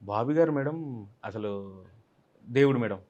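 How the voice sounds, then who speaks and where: Actor telling an animated set story. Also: male voice, medium pitch, unhurried, lo-fi sound. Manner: animated, acts out others' lines in quotes. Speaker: actor guest. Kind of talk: interview storytelling.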